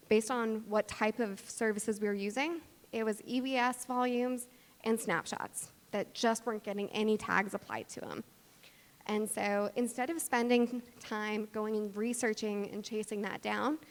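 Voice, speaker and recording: A woman giving an explanatory conference presentation as a practitioner speaking to an audience. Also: mid-range voice. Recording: long hall reverb.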